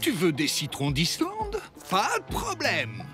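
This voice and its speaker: Very slow, swooping cartoon shopkeeper. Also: male voice, sits high, wildly swooping pitch, exaggerated voice. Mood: obliging. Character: slow, obliging cartoon shopkeeper, easily exasperated by gadgets. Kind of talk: children's cartoon dub. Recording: music bed behind the voice.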